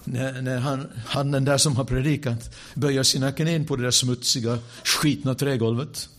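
A man preaching in the manner of a storyteller, recounting a moment from his ministry. He talks at a middle pitch, lively and animated, with wry, self-mocking asides. When the story stills, his voice drops to a hush. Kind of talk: sermon with personal storytelling.

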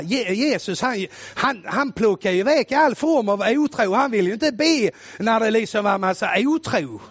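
A male preacher telling a story in a sermon, loud and exclamatory, swinging from shouting to hushed tones. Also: high voice, slightly rough, no echo. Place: church. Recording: muffled lo-fi recording.

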